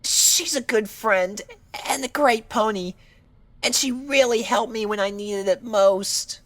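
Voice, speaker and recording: Young pony mare, high-pitched, slow, halting, anxious, pleading, storybook drama. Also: female voice, fairly bright tone. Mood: earnest, nervous. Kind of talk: dramatic audio story acting.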